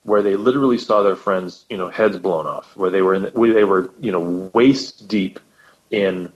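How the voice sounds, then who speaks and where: A man's voice: sits low, moderate pace, dull audio. A man chatting on a podcast as guest co-host, talking with eager enthusiasm and often repeating words as he goes. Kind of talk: casual podcast conversation.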